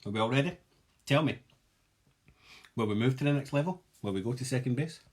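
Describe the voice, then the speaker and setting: A man's voice: medium pitch, a little fast, darkish tone, slightly rough. A young Glaswegian man hosting a live-streamed jewellery workshop, demonstrating and joking with viewers in a chatty, self-mocking way. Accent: Glaswegian Scottish.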